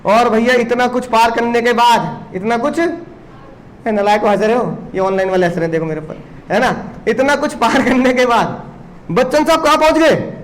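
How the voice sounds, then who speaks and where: High-pitched male teacher who makes a lively, story-driven classroom lecture. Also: moderate pace, slight background noise. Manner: animated storytelling, teasing the students. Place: classroom with students.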